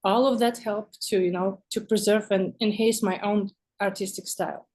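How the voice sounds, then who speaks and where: A woman's voice: medium pitch, steady tone, moderate pace, a little mellow. Woman speaking English as a second language. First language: not English. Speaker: guest visual artist. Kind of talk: casual interview conversation.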